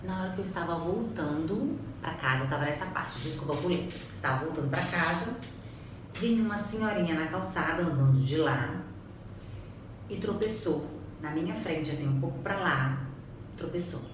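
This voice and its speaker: A woman from Brazil with a Brazilian Portuguese accent, a public speaking coach telling a story to viewers in a chatty, animated way. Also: low voice, normal speed. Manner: animated, chatty, acts out quotes. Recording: echoey room, distant mic, background noise.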